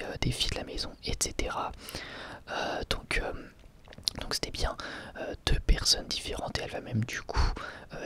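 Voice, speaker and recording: Guy whispering asmr style, breathy and soft, kinda hesitant review talk. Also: medium pitch. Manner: hesitant, halting phrasing with frequent self-corrections. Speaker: ASMR video host reviewing anime.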